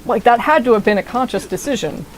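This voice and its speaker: An American woman in her twenties streams a game, giving casual, rambling commentary and swearing freely. Her voice is on the high side, animated, and quick, with slight background noise and poor audio quality.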